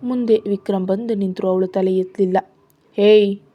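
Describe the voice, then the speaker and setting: A woman reading a dramatic romance story aloud in a soft, steady narration. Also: mid-range voice, normal speed, lo-fi sound.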